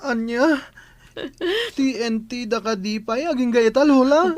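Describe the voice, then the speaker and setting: Man acting orphaned schoolboy, high-pitched, plaintive, discouraged, emotional, radio-style drama. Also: a little slow, no echo. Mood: distressed.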